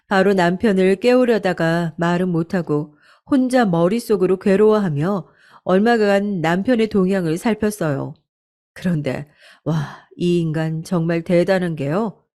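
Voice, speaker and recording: A woman's voice: fairly low pitch, mellow. A woman narrating a true-story radio drama in the first person, earnest and confiding.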